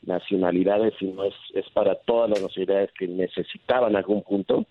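A male immigration lawyer answering interview questions, halting with many fillers and restarts. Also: deep voice. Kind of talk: casual radio interview answers. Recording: tinny phone line.

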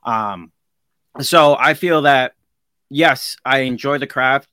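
A man's voice: mid-range voice, slow, sharp tone, clear, resonant tone, no room sound. A man in his forties, a guest craftsman in a casual interview, talking earnestly and reflectively and often restarting his sentences. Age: 40s.

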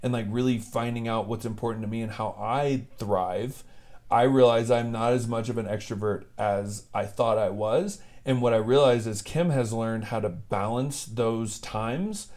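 A man's voice: medium pitch, moderate pace, darkish tone. A man co-hosting a podcast in a candid, self-reflective, casual chat style. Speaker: podcast co-host.

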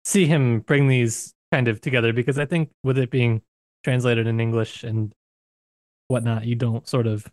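A man's voice: medium pitch, fairly even intonation, normal speed, darkish tone, no room sound. A man co-hosting a book discussion podcast, talking in a thoughtful, searching way with frequent restarts. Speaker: podcast co-host.

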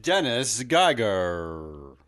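A man's voice: fairly low pitch, very animated, extremely slow, heavy background noise, exaggerated voice. A man playing a formal conference-call operator, announcing questioners in a stiff, theatrical way. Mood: ceremonious. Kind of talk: theatrical reenactment of an earnings call.

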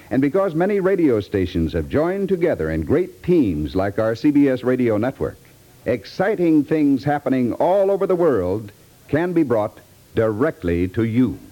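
A man reading a scripted promotional announcement as a 1950s network radio announcer, polished and measured. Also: mid-range voice, very animated, mellow.

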